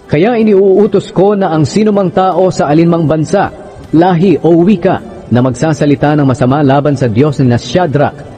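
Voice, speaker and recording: A man's voice: a little high, warm tone, lightly acted. Man acting proud king, raised declamatory voice. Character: proud, astonished ancient Babylonian king, adult man. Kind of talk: dramatized scripture reading.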